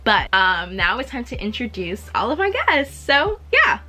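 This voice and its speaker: A woman's voice: a little high, sing-song, unhurried, bright, forceful tone. A young adult woman hosting her own channel, talking casually and upbeat to the camera, full of "literally". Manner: chatty, upbeat, says "literally" a lot. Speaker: channel host. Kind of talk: casual vlog talk to camera.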